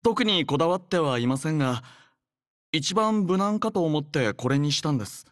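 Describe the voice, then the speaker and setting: Anime game role: young male android soldier, played by a man, slightly higher register, polite, formal, earnest and composed; dry studio sound. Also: lively intonation, moderate pace, no echo, natural voice. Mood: polite, soft. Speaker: game character voice. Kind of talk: scripted anime game voice lines.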